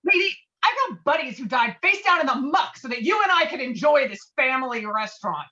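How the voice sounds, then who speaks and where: A woman playing a loud, stubborn, indignant war veteran in a table read, bombastic and combative. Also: sits high, big pitch swings, a little fast, exaggerated voice. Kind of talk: amateur virtual table read. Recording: dull, lo-fi call audio.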